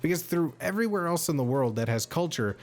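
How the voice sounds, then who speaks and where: A man's voice: on the high side, animated, quick pace, darkish tone. A man livestreaming, chatting casually with viewers in a slangy, rambling way, full of bro and homie. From United States. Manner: slangy and laid-back, often saying bro and homie; rambling, with many fillers and restarts.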